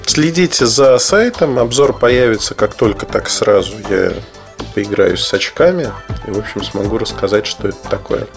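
A man's voice: on the low side, lively intonation, normal speed, creaky, faint music behind. A man hosting a tech podcast, giving a casual, rambling gadget review full of hesitations and asides.

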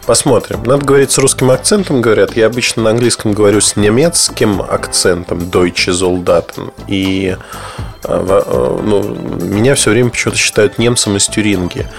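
A man's voice: on the low side, fairly even intonation, moderate pace, gravelly, faint music behind. A man hosting a tech podcast, giving a casual, rambling gadget review full of hesitations and asides.

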